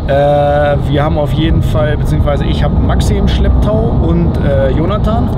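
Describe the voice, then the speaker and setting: A man speaks over loud background noise. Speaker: vlogger. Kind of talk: casual vlog chat. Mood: relaxed, joking. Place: car.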